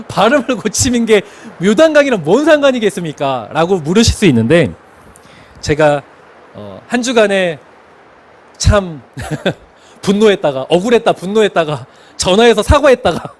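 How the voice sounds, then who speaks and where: Lively high-voiced Korean pastor preaching. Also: male voice. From Chungcheong, Korea. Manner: expressive preaching, sings hymn lines, laughs while telling stories. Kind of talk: sermon.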